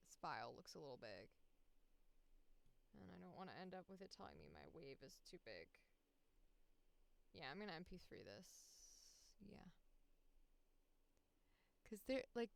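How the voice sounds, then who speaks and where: A woman's voice: medium pitch, gravelly. A woman hosting a livestream as a voice actor, chatting casually in a self-deprecating, joking way.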